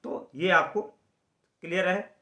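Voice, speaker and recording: A man teaching a singing lesson at the harmonium, slowly explaining notes and singing short chant phrases. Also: sits high, steady tone, pushed and bright, echoey room. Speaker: music teacher.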